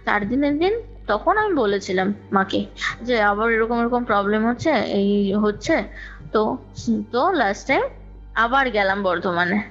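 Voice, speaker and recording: A woman's voice: medium pitch, animated, unhurried. A woman telling a personal story conversationally, talkative and repeating phrases for emphasis, with some English words mixed in. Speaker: guest recounting own ghost experience. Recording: dull lo-fi call recording, music underneath. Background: music.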